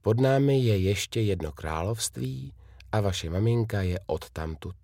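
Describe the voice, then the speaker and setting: A man's voice: lowish voice, animated, dark tone, no room sound, studio quality. A man reading a children's storybook, voicing a kind, firm young female governess who explains things emphatically. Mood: explaining.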